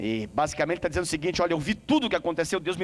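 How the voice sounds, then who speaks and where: In a very clean recording with a silent background, a man talks at a high pitch. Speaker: pastor. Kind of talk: sermon. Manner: fast.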